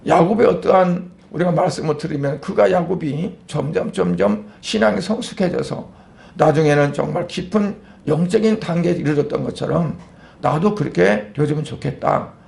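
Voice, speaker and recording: A man, a pastor, preaching a Sunday sermon in a conversational way, asking rhetorical questions and pausing on fillers. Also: a little high, creaky, a little mellow.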